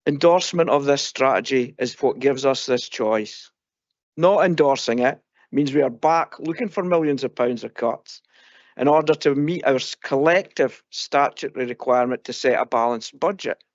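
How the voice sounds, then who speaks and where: A man's voice: medium pitch, moderate pace, no echo, muffled recording. A man who is an elected councillor, giving a formal prepared speech to propose a motion at a council meeting.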